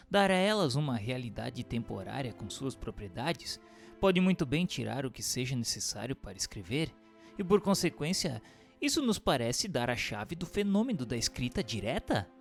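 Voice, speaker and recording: Man reading formally, with lively intonation. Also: mid-range voice. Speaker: narrator. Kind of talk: scripted dramatized reading of a spiritist book.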